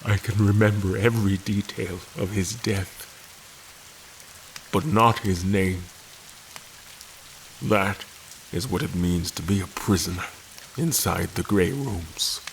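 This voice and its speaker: A low-voiced, defiant space admiral in an audio drama, weary and suspicious of his captors. He speaks and narrates with brooding, accusatory intensity, over a hissy, rain-like background. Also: slow, long pauses, poor audio. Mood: bitter, insistent. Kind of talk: audio drama first-person narration and dialogue.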